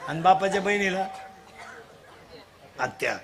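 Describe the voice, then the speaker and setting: A man giving a comic kirtan sermon, teasing and quizzing the children in the crowd and demanding loud answers. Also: high voice, expressive, measured pace, faint music behind. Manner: bursts into shouts at times. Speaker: kirtan preacher. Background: audience sounds.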